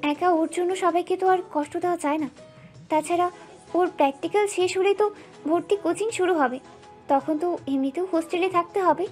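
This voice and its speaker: A fiery young wife in an audio drama, her voice pitched very high and her words biting and accusing. Soft music plays faintly underneath. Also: fairly quick. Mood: calm, firm. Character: hot-tempered young wife, sharp and accusing.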